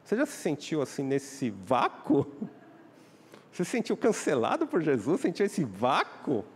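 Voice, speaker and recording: A man's voice: on the high side, huge pitch swings, measured pace, husky. A Brazilian man preaching a sermon, often asking the congregation questions and acting out quoted voices. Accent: Brazilian Portuguese. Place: church hall. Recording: church hall reverb.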